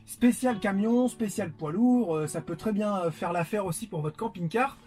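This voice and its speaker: Chatty guy from france doing an unboxing, pretty high voice, soft guitar music behind. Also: moderate pace. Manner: chatty, many fillers, warm greetings to viewers. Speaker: vlogger. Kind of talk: casual unboxing chat.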